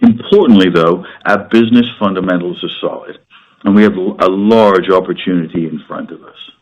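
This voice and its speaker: A man speaking as a company executive on an earnings call, croaky from a sore throat, measured and businesslike with the odd filler. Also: deep voice. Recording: muffled conference-call audio.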